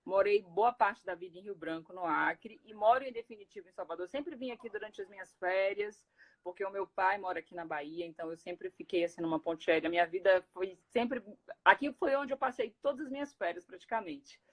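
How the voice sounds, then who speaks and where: A woman from Recife, a guest speaker talking casually in a live interview, animated and quick to laugh, with many fillers and restarts. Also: medium pitch. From Recife, Brazil.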